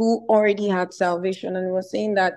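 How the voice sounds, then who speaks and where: A dark, mellow voice delivers monotone, flat intonation over a quiet background. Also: woman. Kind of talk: group discussion answer. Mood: reflective, earnest. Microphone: video call.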